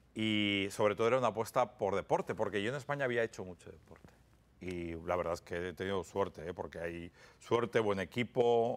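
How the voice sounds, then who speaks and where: At a fairly quick pace, a man speaks with a fairly low pitch, ordinary pitch variation, and big swings in loudness. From Spain, Barcelona; Catalonia, Spain. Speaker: sports journalist. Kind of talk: TV interview. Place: studio. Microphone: lapel.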